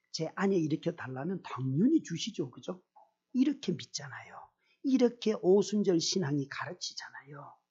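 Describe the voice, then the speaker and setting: A middle-aged male pastor preaching a sermon with personal testimony, telling it in an animated way, acting out his own prayers and putting questions to the congregation. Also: a little high, breathy edge. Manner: animated storyteller, acts out quoted prayers, asks the congregation questions. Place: church service. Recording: dull lo-fi recording.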